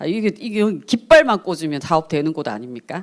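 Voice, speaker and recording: Using very wide pitch swings around a fairly low pitch, a woman talks at a moderate pace. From provincial South Korea, not Seoul. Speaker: direct-selling business leader. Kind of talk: business presentation talk. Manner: casual, conversational.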